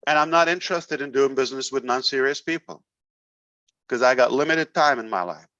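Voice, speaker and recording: A man's voice: medium pitch, a little fast, pushed and bright, dry recording. Blunt, emphatic man giving business talk. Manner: blunt, emphatic, sarcastic at times. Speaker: company leader addressing members. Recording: dull, dry recording.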